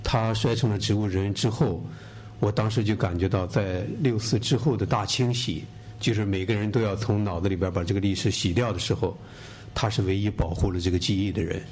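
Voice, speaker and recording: A man, the author, answering questions in a measured, reflective way at a bookshop event, speaking into a table mic. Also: fairly low pitch, steady tone, a little mellow, slight background noise.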